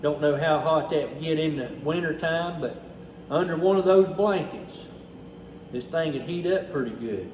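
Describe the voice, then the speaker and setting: A man's voice: fairly high pitch, normal speed, a little mellow. A man with a Southern US accent talking casually and off the cuff to the camera in a folksy, plainspoken way. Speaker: relief effort organizer presenting donations. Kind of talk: casual unscripted talk to camera. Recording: echoey, distant mic, faint background noise.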